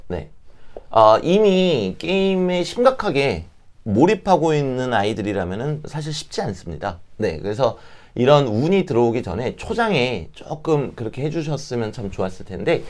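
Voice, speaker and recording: A man with a mid-pitched voice that moves up and down in lively intonation. His throat is a little hoarse and catches as he talks. He explains things politely and step by step, like an advisor addressing viewers informally. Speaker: fortune-telling advisor, channel host. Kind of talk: informal explanatory talk to camera.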